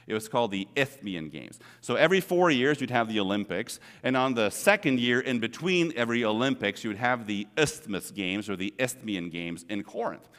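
A man's voice: mid-range voice, expressive, moderate pace, few pauses, a bit bright. A middle-aged man preaching a sermon as pastor, earnest and conversational, stressing points by repeating words. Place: church sanctuary. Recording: long reverb of a church hall.

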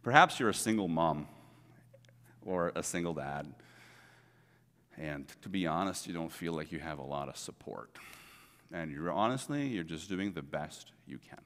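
Brief: middle-aged male pastor, earnest conversational preaching, low voice, long church reverb. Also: lively intonation, moderate pace, long pauses, a bit bright. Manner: earnest, conversational preaching with repeated words for emphasis. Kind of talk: sermon. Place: church sanctuary.

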